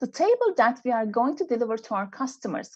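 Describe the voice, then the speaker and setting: With a Turkish accent, a woman speaks at a fairly high pitch that makes very wide swings. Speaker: business leader and speaker. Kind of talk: online summit talk. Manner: halting, many filler sounds.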